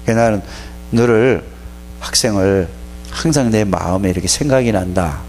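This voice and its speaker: With faint music playing behind him, a man speaks at a normal speed in a lowish voice. He is preaching to youth as their pastor, scolding them plainly and telling stories in an animated way.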